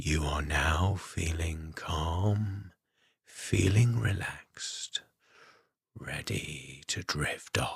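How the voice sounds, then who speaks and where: A man uses a put-on character voice, very deep and low, at a very slow pace. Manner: gentle, calm.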